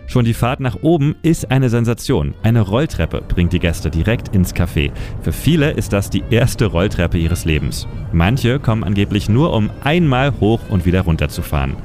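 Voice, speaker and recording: A man reading a scripted history feature in a measured storytelling manner. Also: lowish voice, very animated, a little mellow. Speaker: narrator. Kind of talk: scripted documentary narration. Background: music.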